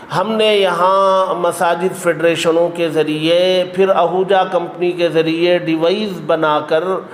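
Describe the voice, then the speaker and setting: An Indian man speaks in a high-pitched voice at a slow, measured pace, making a formal press statement. He is emphatic and repeats phrases for weight. The room is echoey. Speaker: community spokesman at a press conference. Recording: echoey room with clear background noise.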